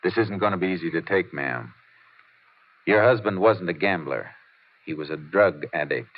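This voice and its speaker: An actor in a 1950s radio drama playing a steady, determined Texas Ranger, terse, matter-of-fact and authoritative. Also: male voice, low-pitched, moderate pace. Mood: grave. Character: steady, determined Texas Ranger lawman narrating his case. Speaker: lead character and narrator. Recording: muffled, noisy old radio recording with clicks.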